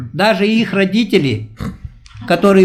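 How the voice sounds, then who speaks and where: Lively intonation marks a man's high-pitched voice. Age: 70s. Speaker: round table participant. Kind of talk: panel discussion. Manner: halting.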